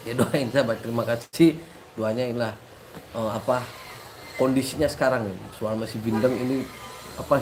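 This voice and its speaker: A man's voice: medium pitch, background noise. A man with a stuffy nose, rambling casually to his followers and repeating himself. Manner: rambling, repetitive, mixes in local words. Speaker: preacher addressing followers. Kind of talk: casual live-stream talk with chanted sholawat.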